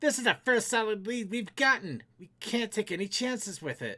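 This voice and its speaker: This is a put-on character voice that sounds female. The pitch is fairly high. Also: moderate pace. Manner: silly, exaggerated.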